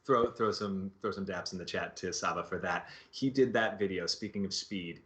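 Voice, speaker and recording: A man's voice: low-pitched, moderate pace, fairly bright tone. A man hosting a livestream show in a casual, conversational style. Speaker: show host.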